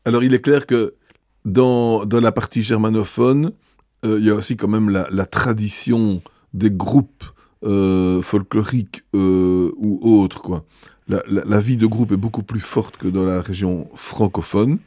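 Male bishop, interviewed; mellow, low tone, hesitant and measured delivery. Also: fairly even intonation, no echo, studio quality. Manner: thoughtful, hesitant, frequent filler pauses. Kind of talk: interview answers.

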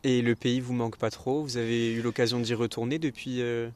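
A man's voice: medium pitch, level tone, fairly quick, a little mellow. A man interviewing a priest, asking polite and formal questions.

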